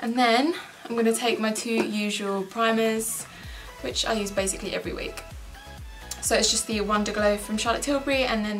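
Clear music plays in the background as a woman talks. She keeps a fairly quick pace and fairly even intonation. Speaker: beauty vlogger. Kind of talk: tutorial. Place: home room. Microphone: camera far.

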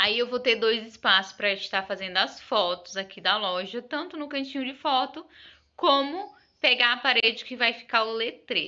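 Against a quiet background, the talking unfolds at a moderate speed. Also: woman. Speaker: shop owner vlogger. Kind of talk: casual vlog chat. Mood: relaxed, friendly. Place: shop. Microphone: phone near.

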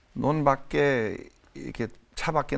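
The speaker is a man with a Jeolla accent. His pitch variation is ordinary. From Jeolla, Korea. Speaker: surgeon, professor. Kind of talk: interview answer. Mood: somber, recounting father's accident. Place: studio. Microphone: lapel.

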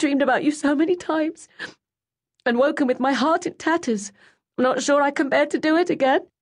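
A man's shaky whisper in a put-on character voice, fairly quick yet broken by long, frequent pauses. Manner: trembling, emotional.

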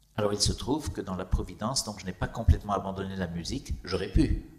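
A man's fairly low, somewhat breathy voice at a fairly quick pace. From France. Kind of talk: testimony. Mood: calm, reflective. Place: home room. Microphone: lapel.

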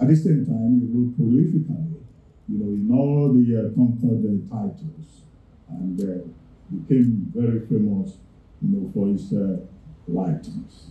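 A man speaks at a fairly slow pace in a dark, mellow tone with vocal fry. Room echo is audible. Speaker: master of ceremonies. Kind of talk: formal introductions at a ceremony. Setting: stage with audience. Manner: halting. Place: hall.

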